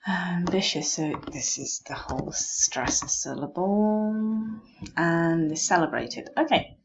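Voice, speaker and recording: Slow, low-voiced woman teaching word stress. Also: expressive, gravelly, a little hiss or hum. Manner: slow, thinking aloud, self-correcting. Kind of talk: explaining word stress over a screen recording. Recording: dull lo-fi mic with faint keyboard clicks.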